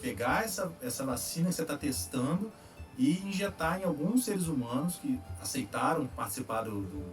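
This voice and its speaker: A man with a Brazilian Portuguese accent talks through a topic in a loose, slangy way, tagging his sentences with quick checks. His voice sits a little high and lands slightly distant from the mic, with soft music in the background. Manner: relaxed, slangy, lots of "tá?" tags. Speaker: host answering viewer questions on vaccines. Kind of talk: casual explanatory chat.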